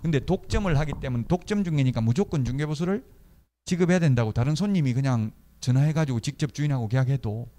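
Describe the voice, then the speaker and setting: A man's voice: mid-range voice, fast talker, warm tone. A middle-aged man teaching real estate brokerage law in a conversational style. He asks the class questions, answers them himself and tells stories from his own work as a broker. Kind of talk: classroom lecture.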